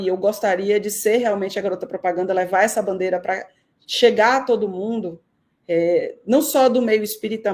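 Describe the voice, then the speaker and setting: Speaking over a video call in a live-stream interview, this woman from Salvador is a guest researcher with a Northeastern Brazilian accent. Her answers come slowly and carefully, with frequent hesitations, in a medium-pitched, slightly mellow voice.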